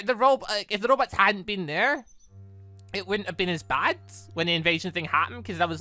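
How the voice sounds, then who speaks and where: A man's voice: high-pitched, bright, forceful tone, no room sound. A man giving let's play commentary as a gaming channel host, often stammering and breaking off to comment. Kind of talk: let's play commentary, reading visual novel dialogue aloud and reacting.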